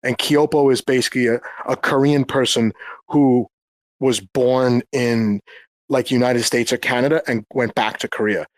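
A man from New York speaks as a guest in a relaxed group chat. He halts and restarts as he searches for words, at a middle pitch. The sound is dry and close, with no room around it. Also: normal speed, dry recording. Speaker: guest, former English teacher.

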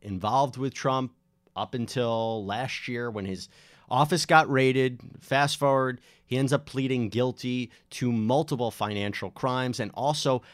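A man's voice: mid-range voice, unhurried, no echo, clean studio sound. A man co-hosting a podcast, explaining legal news in a casual, joking conversational way. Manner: explains legal points conversationally, jokes along. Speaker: podcast co-host.

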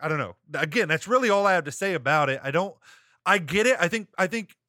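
A man's voice: high-pitched, expressive, fast talker, pushed and bright, no room sound, studio quality. A man co-hosting a live-streamed talk show, rambling and hedging with lots of restarts as he reads chat and gives his view. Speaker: podcast co-host.

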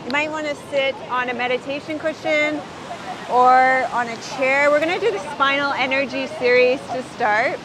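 A woman instructing a yoga class outdoors, speaking up over the rushing water of a river and waterfall. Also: sits high, noisy background.

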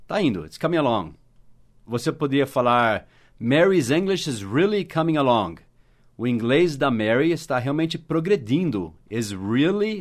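A Brazilian man hosting a mini-podcast English lesson, explaining phrases patiently, repeating them slowly and spelling words out letter by letter. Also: mid-range voice. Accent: Brazilian Portuguese. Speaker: English teacher.

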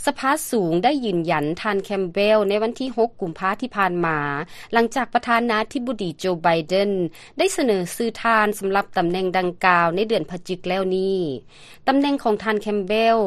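A woman's voice: mid-range voice, animated, brisk, dry recording. A woman with a Lao accent reading scripted radio news as the anchor.

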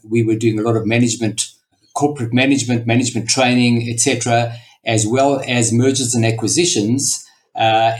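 A man in his sixties with a South African accent speaks as a guest in an interview. He explains business dealings steadily and often restarts mid-sentence. His pitch is ordinary for a man. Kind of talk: interview conversation.

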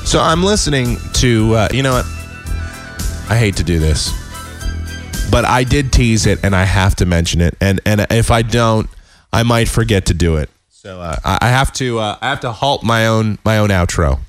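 A man hosting a casual sports podcast, hoarse and sick with a cold, talking in a rambling, self-deprecating way with many halting restarts. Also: on the low side, expressive, faint music behind. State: hoarse, losing his voice. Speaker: podcast host.

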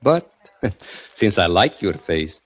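An actor with a Mexican Spanish accent playing a calm, grinning hired knife killer in an old radio drama. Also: male voice, low-pitched, slow pace, full character voice. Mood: calm menace. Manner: calm, matter-of-fact, chuckling menace. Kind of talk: 1940s radio drama acting. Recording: dull lo-fi old radio recording.

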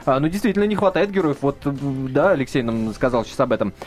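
A man's voice: mid-range voice, animated, darkish tone, soft background music. A man hosting a radio talk show, steering the conversation and taking calls. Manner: brisk, steering, reads out phone number. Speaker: radio host.

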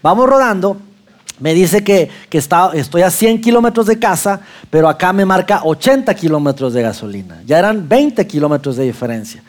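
High pitched mexican guy telling a story, acts out what he said. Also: moderate pace. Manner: lively storyteller, acts out his own quoted lines. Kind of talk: personal anecdote told to an audience.

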